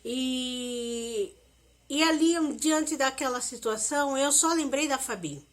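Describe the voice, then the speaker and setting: A woman's voice: sits high, slow. A woman, talking emotionally and repetitively straight to her viewers in a confessional vlog. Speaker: vlogger.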